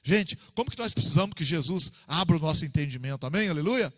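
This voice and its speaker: Here the same kind of preacher sounds a little high and expressive, talking quickly with a fairly bright tone and a Brazilian Portuguese accent. His Bible study is an informal sermon, full of casual talk, repetition and requests for "amém." The audio has no echo yet carries a big-room sound.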